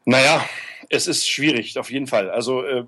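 Aid worker, male, mid-pitched, halting interview answers full of ums. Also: pushed and bright, husky. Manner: hesitant, many fillers and restarts. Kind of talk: casual interview.

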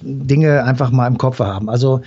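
A man's voice: mid-range voice, fairly even intonation, normal speed, mellow, breathy edge, lo-fi sound. A man explaining history in a conversation, patient and step by step, with many fillers. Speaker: history expert guest.

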